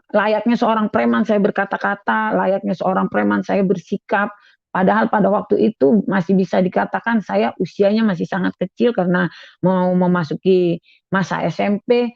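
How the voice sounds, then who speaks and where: A young woman from Madura tells her personal faith testimony in an earnest way, circling back over her own phrases. Her voice carries a gravelly fry. The recording is dull and lo-fi, with a dry, close sound. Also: medium pitch, no room sound. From Madura, Indonesia. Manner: earnest, repeats phrases as she recounts. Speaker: testimony speaker.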